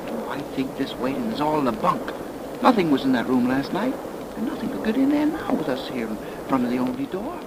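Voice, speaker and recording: A man's voice: medium pitch, very animated, fairly quick. A male actor playing a defiant, protective young brother, blunt and slangy, in the style of a 1930s radio mystery. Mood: skeptical, grumbling. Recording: very noisy 1930s radio broadcast recording.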